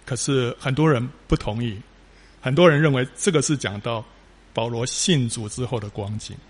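A man's voice: mid-range voice, normal speed, husky. A man preaching a sermon, telling stories with rising emphasis and frequent filler particles.

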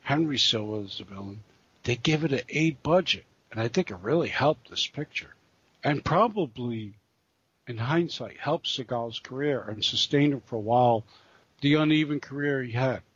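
A man co-hosting a podcast, chatting casually about films in a rambling, halting way and swearing freely. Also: mid-range voice, a bit bright, slightly rough, no echo. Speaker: podcast co-host. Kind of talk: casual film chat. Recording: dull lo-fi sound.

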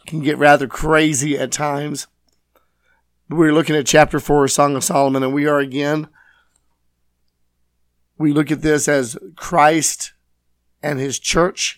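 A man with a scratchy, hoarse voice, teaching and reading scripture as host of a Bible program. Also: a little high, no room sound, studio quality. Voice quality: scratchy, raspy. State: hoarse from voice loss, recovering.

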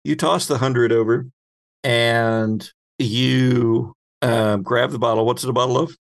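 A man hosting and narrating a tabletop game as game master, with deliberate, descriptive storytelling. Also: mid-range voice, steady tone, vocal fry.

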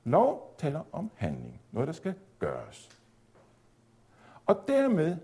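A man giving a measured, explanatory theology lecture, at times pausing on fillers. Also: a little high, mellow, breathy edge. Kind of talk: spoken lecture on Luther's reading of Galatians.

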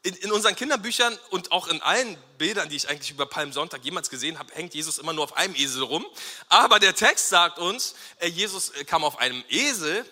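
Male pastor, lively sermon, very bright high voice, long hall reverb. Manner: lively, asks the audience to repeat words; acts out Jesus and bystanders in quick quoted asides.

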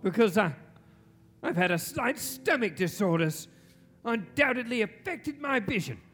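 A man's voice: sits high, very animated, a little slow, fairly bright tone, full character voice. A man playing a grumpy, miserly old businessman in a stage radio play, curt, scolding and theatrical. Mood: dismissive, defiant. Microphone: shared stage microphone. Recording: live stage recording with music.

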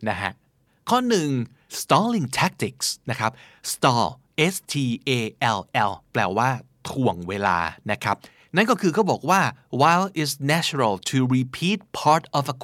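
A male podcast host talks through examples at an unhurried pace, his pitch swinging up and down as he plays out little scenes. The recording is close and dry. He sounds casual and playful as he explains. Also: no echo. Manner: lively, teaching English words with playful acted examples.

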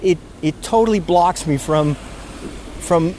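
A man with a sore throat talks through his exhaustion while walking outdoors in a park, his words halting, restarting and trailing into fillers. His voice sits fairly high yet mellow and soft-edged. A faint wash of outdoor noise runs under him. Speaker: podcast host. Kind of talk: casual spoken reflection, walking outdoors. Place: outdoors in a park near road works.

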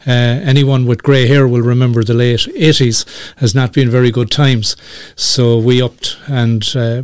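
A man in his sixties with an Irish accent, talking as a radio broadcaster in a measured, thoughtful way with many pauses and fillers. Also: mid-range voice, no echo, clean studio sound. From Ireland. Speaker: guest, community radio broadcaster. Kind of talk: conversational interview.

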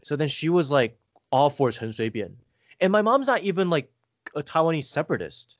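A man's voice: a little high, animated, brisk, no echo. An American man chatting casually as a guest, rambling and hesitant with lots of "like" fillers. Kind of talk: casual conversation.

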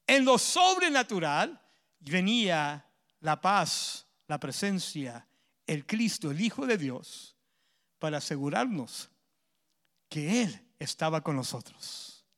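Male pastor, very high voice, bilingual sermon delivery: each line in Spanish then English, "ah" fillers between phrases, shifts from forceful to hushed. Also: big pitch swings. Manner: punctuates phrases with drawn-out "ah"; swings from loud emphatic lines to hushed ones.

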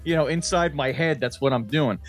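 Higher-voiced man swapping crude funny stories. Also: a little fast, soft background music. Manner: profane, animated anecdote telling. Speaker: podcast co-host. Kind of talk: casual comic storytelling chat.

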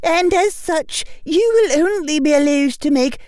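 A woman's voice: high-pitched, unhurried, a little mellow, dry recording, studio quality, pitched above the performer's own voice. A woman voicing a stern older witch professor with a clipped, scolding manner.

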